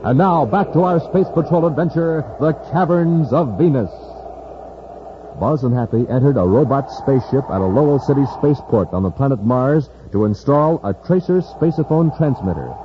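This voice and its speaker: A male announcer in a 1950s radio show, pitching products to children and recapping the story. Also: expressive, normal speed. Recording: dull old radio broadcast with faint hiss.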